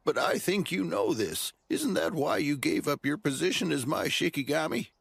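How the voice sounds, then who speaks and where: An actor playing a calm older male mentor in an anime dub, speaking in a measured, gently reproachful way. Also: on the high side, gravelly, breathy edge, no room sound, full character voice.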